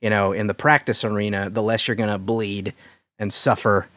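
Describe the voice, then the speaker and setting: Animated man in his thirties, dry sound. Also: fairly low pitch, normal speed, dry recording. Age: 30s. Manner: animated, earnest, jokey. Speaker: podcast co-host. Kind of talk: casual podcast chat.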